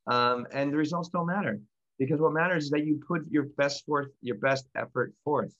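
A man's voice: fairly high pitch, normal speed, highs cut off. A man co-hosting a podcast and teaching meditation, talking casually with many restarts and frequent laughter. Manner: rambling, animated, laughs often, many restarts. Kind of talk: casual conversational podcast chat.

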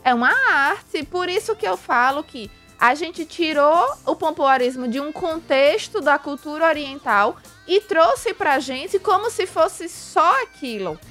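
A woman's voice: high voice, expressive, unhurried, hardly any pauses, a bit bright, faint music behind. A Brazilian woman explaining an exercise step by step in a radio interview, in a chatty, didactic way. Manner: didactic, chatty, frequent tag questions and diminutives. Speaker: pelvic physiotherapy expert guest.

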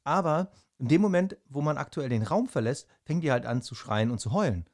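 A man's voice: fairly high pitch, animated, brisk. A young man, a new father, chatting casually and rambling in a self-mocking, hesitant way. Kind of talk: casual chat. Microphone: headphones on, studio-style mic.

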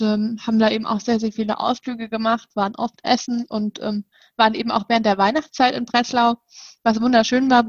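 A woman's voice: a little high, dry recording, lo-fi sound. A woman in her twenties co-hosting a podcast, hesitant, with many fillers. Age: 20s. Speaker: podcast co-host. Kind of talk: casual podcast chat.

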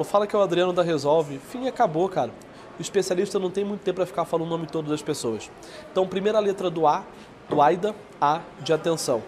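A man coaches the viewer on sales calls, direct and full of energy. His voice sits a bit high for a man, and he switches into sample call lines to show how they should sound. A faint hum of street noise stays under him. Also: a little mellow. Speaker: sales trainer. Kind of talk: video sales lesson.

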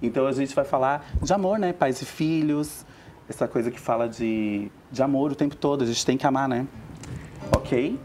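A woman's voice: rumbling low, moderate pace, a little hiss or hum. A woman, a vocal teacher talking expressively as a guest on a TV talk show. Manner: expressive and chatty, calls people "meu amor". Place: TV studio.

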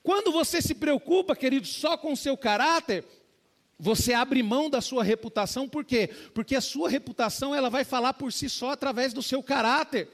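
High-voiced pastor preaching casually. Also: male voice, moderate pace. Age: adult with a young child. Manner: keeps calling the congregation "dear ones", conversational preaching. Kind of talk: sermon.

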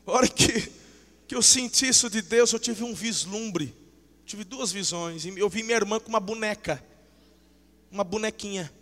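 Man, preacher, sermon, fervent, high bright voice, shouts then hushes, long hall echo. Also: moderate pace, faint music behind. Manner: swings from shouted outbursts to low intimate talk; fervent and emotional, acts out dialogue. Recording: long reverb of a large hall.

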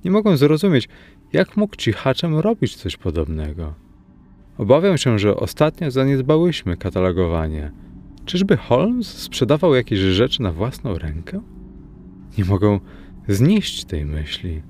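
A man's voice: mid-range voice, huge pitch swings, measured pace, a little mellow, slight background noise. A man doing an upset young shopkeeper woman. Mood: puzzled. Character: young woman, shop-owning sister, upset.

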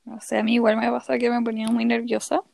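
Young woman, Chilean accent, gravelly fry, fairly high, animated storyteller, dry close sound. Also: quick pace, no echo. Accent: Chilean Spanish. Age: young adult. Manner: animated storytelling, acts out quotes. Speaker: podcast co-host. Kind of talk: casual chat.

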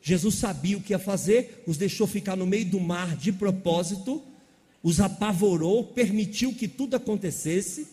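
A man preaches with animated energy and keeps calling out questions to his congregation. His voice sits a little high but sounds warm and mellow. A long reverb from the church hall trails behind each phrase. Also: moderate pace. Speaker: pastor. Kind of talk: sermon.

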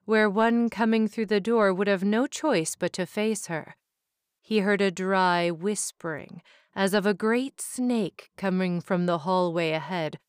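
A woman reading a fantasy short story aloud in a slow, measured narration. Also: medium pitch, smooth, no room sound, studio quality. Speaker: story reader.

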